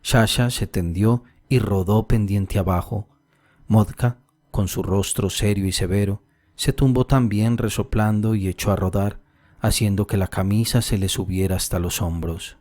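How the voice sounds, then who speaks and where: A man reading a classic short story aloud as an audiobook narrator, calm and measured. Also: lowish voice, no echo, studio quality.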